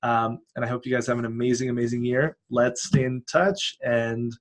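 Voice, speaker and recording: A man's voice: mid-range voice, fairly even intonation, normal speed. A man who hosts a coaching channel, talking casually and earnestly in an encouraging, conversational monologue. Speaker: online coach and channel host. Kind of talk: casual monologue recapping personal goals.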